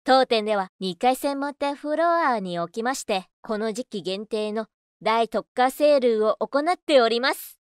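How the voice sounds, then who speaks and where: A woman voice actor reading scripted narration and announcements in a clearly enunciated, rehearsed delivery. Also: a little high, unhurried, few pauses, no room sound, studio quality.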